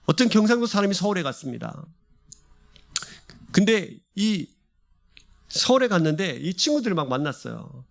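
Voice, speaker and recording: Male pastor, high and very lively voice, fervent sermon delivery with repeated building phrases. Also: normal speed, vocal fry, pauses often. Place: church service.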